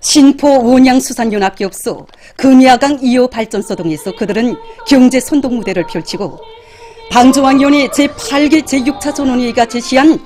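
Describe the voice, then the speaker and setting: A woman's voice: sits high, moderate pace, darkish tone, faint music behind. A woman with a North Korean accent reading scripted television news in a formal, solemn, reverent and emphatic declamatory manner.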